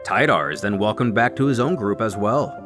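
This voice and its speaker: A man's voice: lowish voice, expressive, a little fast, over music. A man delivering scripted story recap narration in a dramatic storytelling manner, with wry asides.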